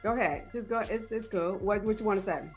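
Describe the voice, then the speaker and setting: A woman in her forties co-hosting a call-in show, answering in a measured, deliberate way and repeating phrases. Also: medium pitch, faint music behind. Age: 40s. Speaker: talk show co-host. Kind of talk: call-in discussion.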